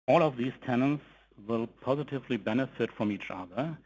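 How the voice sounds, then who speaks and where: A man giving a formal, measured corporate presentation, reading from a script in short phrases as an executive on an investor call. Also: medium pitch, darkish tone, rough recording. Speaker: company executive presenting financial results.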